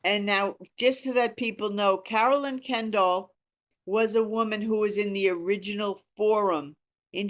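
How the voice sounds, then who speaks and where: Woman, 60s, informal discussion leader, earnest and emphatic delivery, medium pitch. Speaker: reading group leader. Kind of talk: informal group discussion talk.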